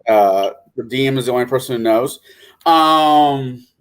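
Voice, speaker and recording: A man's voice: medium pitch, unhurried, smooth. A man chatting casually as a game master on a gaming panel, rambling, stumbling and correcting himself. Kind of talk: casual chat.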